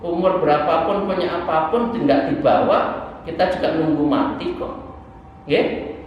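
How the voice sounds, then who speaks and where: A man's voice: fairly high pitch, measured pace, muffled recording. A man in his sixties with a Javanese accent gives an informal religious lesson, exhorting conversationally with rhetorical asides. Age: 60s. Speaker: Islamic preacher and Sufi teacher. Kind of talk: sermon, informal religious lesson explaining a book. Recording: very echoey hall, distant mic, faint noise.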